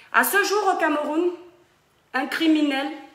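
A woman speaks at a very slow pace with lively intonation. Audible room echo surrounds her voice. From Cameroon. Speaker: social media activist; online commentator. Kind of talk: livestream commentary. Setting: Facebook live video. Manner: impassioned. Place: kitchen. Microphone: phone near.

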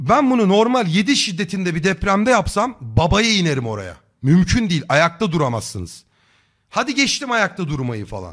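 Against a quiet background, a man speaks at a high pitch in an animated tone, his voice swinging very widely in pitch. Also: moderate pace. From Turkey. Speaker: streamer. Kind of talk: live stream reaction commentary. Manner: casual, animated. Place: home room. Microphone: studio mic.

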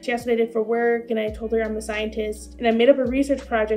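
Faint music plays in the background as a woman with a high-pitched voice speaks at a fairly quick pace. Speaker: vlogger. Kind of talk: casual vlog chat.

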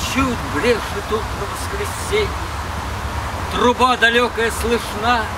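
A man speaks at a very slow pace. Loud background noise fills the clip. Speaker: poetry reciter. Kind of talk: poetry reading. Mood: solemn, dramatic. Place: open country.

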